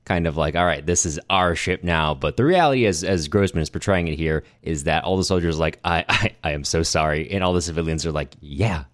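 A man's voice: low-pitched, fairly quick, few pauses, no room sound, clean studio sound. A man co-hosting a conversational book discussion, speaking in an articulate, explanatory and reflective way. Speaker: podcast co-host.

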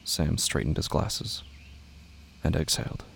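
A man giving scripted dramatic narration for a horror audio drama in a measured, somber manner. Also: extremely low pitch, animated, creaky, a bit bright, slight background noise.

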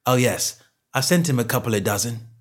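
A man's voice: medium pitch, expressive, fairly quick, voice pushed up, natural voice. A man voicing a cocky, stubborn, snappish poultry salesman in a story reading, with combative colloquial talk.

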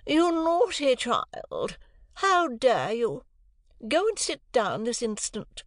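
A haughty, imperious gentlewoman who speaks high and shrill, as a male narrator puts her on, full of wounded dignity. The recording is dry and close. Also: animated, unhurried, no room sound, exaggerated voice. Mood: scolding. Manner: shrill, indignant and affronted.

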